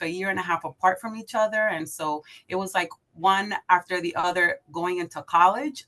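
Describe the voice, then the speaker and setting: A woman in her thirties from the Dominican Republic, a podcast guest telling her story casually, upbeat and quick to laugh. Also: mid-range voice, pushed and bright. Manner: upbeat, laughs easily, fillers like um and like.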